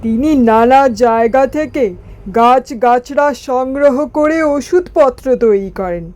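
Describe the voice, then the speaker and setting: Lady doing a cartoon royal minister, really high voice, slow talking, eager and fawning. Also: darkish tone. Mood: earnest, respectful. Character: eager, flattering royal minister, food-loving and deferential. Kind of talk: Bengali animated fairy-tale dialogue.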